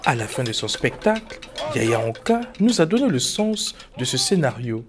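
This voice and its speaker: Formal radio reporter over music. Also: male voice, medium pitch, big pitch swings, moderate pace. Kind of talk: scripted narration. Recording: narration over music bed.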